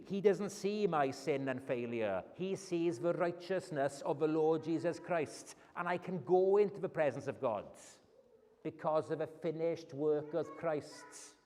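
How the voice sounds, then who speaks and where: A man's voice: fairly high pitch, mellow. A man with a Welsh accent preaching an earnest evening sermon in a church as a guest preacher. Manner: earnest, emphatic, rising on key phrases. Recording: long church reverb.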